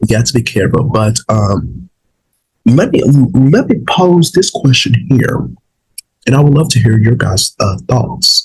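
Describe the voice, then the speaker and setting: With vocal fry and lively intonation, a man speaks at a fairly slow pace and very even loudness. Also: medium pitch for a man. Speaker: online commentator. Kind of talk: casual commentary video. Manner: restrained, not loud.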